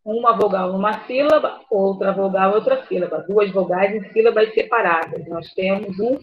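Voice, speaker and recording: A woman teacher, slowly and patiently reviewing a grammar lesson for a class online. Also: medium pitch. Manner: slow, patient, spells words out. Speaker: primary school teacher. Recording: slightly muffled lo-fi audio.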